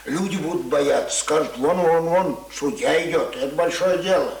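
A man's voice: fairly high pitch, moderate pace, darkish tone, lightly acted. An actor playing a stubborn, uneducated old village man in a radio play, grumbling in folksy, colloquial speech. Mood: musing, opinionated. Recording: roomy radio play recording, faint noise.

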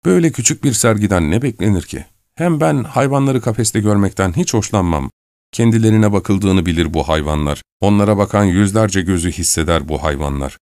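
A man reading a literary audiobook in a measured, introspective way. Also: fairly low pitch, lively intonation, a little mellow, dry recording, clean studio sound. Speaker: audiobook narrator. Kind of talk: scripted literary narration.

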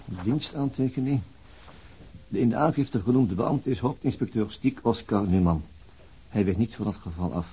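A formal, dismissive official reading service notes. His voice is low and dark, very husky, and his delivery is dry and matter-of-fact. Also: moderate pace, poor audio.

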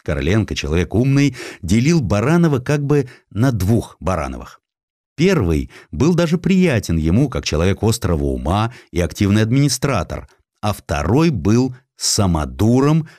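A male narrator reads a dramatized history audiobook in a theatrical way. His voice is fairly low with animated, wide-ranging intonation, captured very dry and close. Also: moderate pace, no echo. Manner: expressive, theatrical.

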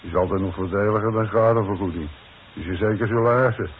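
Gruff working-class Dutch foreman, played by a man, deep voice, wry and blunt, 1960s radio play, thin hissy sound. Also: fast, close to an everyday voice. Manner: dry, sardonic, blunt. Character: gruff, wry working-class demolition foreman, stubbornly frank with his boss. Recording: muffled, hissy old radio broadcast recording.

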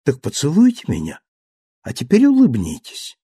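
A man's voice: a little high, moderate pace, slightly rough, no echo, clean studio sound, full character voice. A man voicing a playful, petulant young wife who coaxes and pouts. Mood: pouting, coaxing. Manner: coaxing, pouting, lively.

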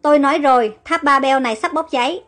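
A woman voicing a brave, quick-witted young prophetess who speaks urgently and pleads. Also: high voice, fairly bright tone.

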